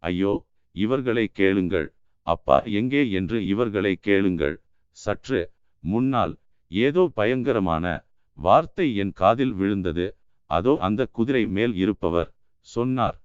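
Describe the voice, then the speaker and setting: A man's voice: fairly low pitch, expressive, takes it slowly, clean tone, dry recording, lo-fi sound. Desperate young woman begging for help, read by a man. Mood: desperate pleading. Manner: pleading, anguished. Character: young woman sculptor's daughter, desperate, pleading.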